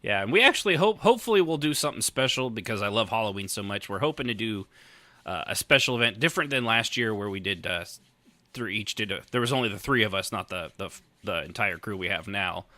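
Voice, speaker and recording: A man's voice: fairly low pitch, lively intonation, fast, bright, forceful tone, dry recording. An American man hosting a podcast, chatting casually with wry humor and the odd bit of swearing. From United States. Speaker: podcast host. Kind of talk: casual comedic podcast chat.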